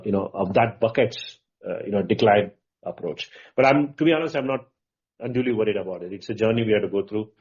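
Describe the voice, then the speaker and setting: Male executive on a muffled call. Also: lowish voice. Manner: halting, emphatic, asks and answers own questions. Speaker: company executive. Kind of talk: unscripted earnings call answers. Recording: muffled, dull conference call audio.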